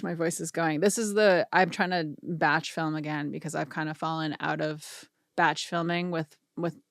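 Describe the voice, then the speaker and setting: A woman in her forties, an audio engineering teacher, chatting casually and a bit ramblingly about a mixing technique to camera, her voice tired and going hoarse after a long day of talking. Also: deep voice, no echo, clean studio sound. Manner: chatty, rambling, self-deprecating, nerdy. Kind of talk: casual tutorial talk to camera. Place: small home studio. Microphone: studio vocal mic.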